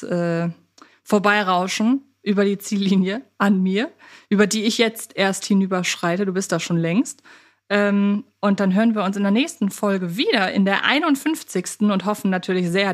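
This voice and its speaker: A woman co-hosting a podcast, chatting casually and addressing listeners. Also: medium pitch. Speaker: podcast co-host. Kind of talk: casual chat and listener thanks.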